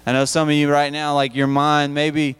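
Give me a man preaching to teenagers in a relaxed, repetitive way, smooth voice, reverberant hall. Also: a little high, moderate pace. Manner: conversational, repeats words and restarts. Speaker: youth speaker. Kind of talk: youth service sermon. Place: church hall.

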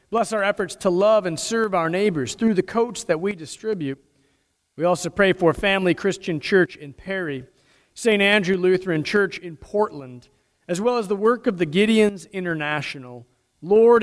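A man with an American accent, a pastor solemnly leading formal prayers and liturgy in a church service. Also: high voice. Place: large church interior during a service. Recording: echoey hall with long reverb.

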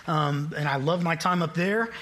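Upbeat young man preaching, bright voice. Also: fairly high pitch, moderate pace. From Kansas. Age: late 20s. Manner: upbeat, self-deprecating, joking. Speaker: guest preacher, college admissions staff. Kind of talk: sermon. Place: church sanctuary.

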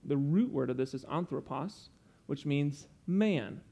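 A man's voice: on the high side, animated, measured pace, gravelly, warm tone, breathy edge. Earnest young man preaching a sermon. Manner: earnest, explanatory, teacherly asides.

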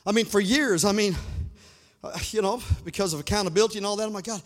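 A male pastor, preaching a fervent sermon that swings into shouts and sung lines, calling on the congregation to respond. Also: sits high, fast talker, long reverb tail. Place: church sanctuary.

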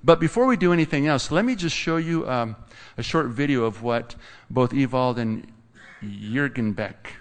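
A man's voice: medium pitch, animated, normal speed. Guy pastor rambling through announcements in a big church, mid voice, long hall echo. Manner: conversational, teasing asides to a guest. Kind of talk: casual pulpit announcements. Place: church sanctuary.

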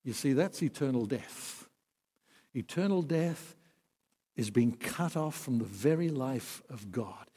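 A man preaching a sermon, earnest, swinging from emphatic peaks to soft, quiet passages. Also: medium pitch, lively intonation, takes it slowly, slightly rough. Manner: earnest, rising to emphatic then dropping soft. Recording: long hall reverb.

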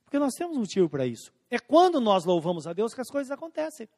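A man preaching a sermon as pastor, slowing down and stretching out scripture quotes, swinging between emphatic and hushed lines. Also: extremely high pitch, sing-song. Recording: long hall reverb.

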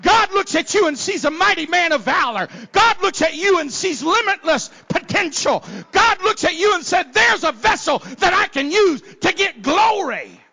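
Man, preacher, sermon, very high voice, bright and forceful, quiet asides, shouted exhortations. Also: lively intonation, moderate pace, gravelly, hardly any pauses. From not from Texas.

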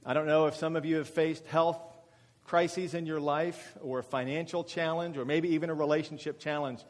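A man's voice: a little high, fairly even intonation, normal speed. A man in his forties giving a chatty, self-deprecating testimony as a guest speaker at a church, with many fillers and restarts. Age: 40s. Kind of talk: testimony talk to a congregation. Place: church meeting hall. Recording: reverberant church hall.

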